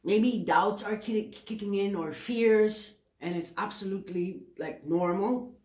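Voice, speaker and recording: With a Greek accent, a woman in her forties reads tarot to camera at an indoor table, speaking chattily, self-correcting, and regularly checking in with the viewer. Her mid-range voice is a little mellow and measured in pace. There is reverb in the room.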